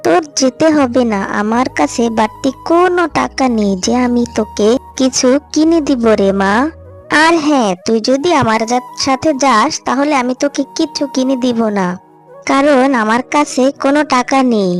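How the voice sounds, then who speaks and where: A woman's voice: high-pitched, normal speed, soft background music. A woman playing a poor, worried mother fox. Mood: scolding. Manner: scolding yet pleading. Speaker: narrator as well. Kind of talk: cartoon voice acting.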